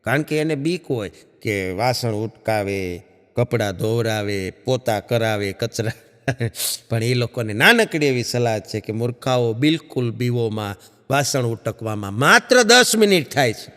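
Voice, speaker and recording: A man's voice: measured pace, in a large hall. A man doing stand-up, giving mock advice in a lecturing tone on a live stage. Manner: mock-lecturing, lively swings in pitch. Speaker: stand-up comedian. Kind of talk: Gujarati stand-up advice bit.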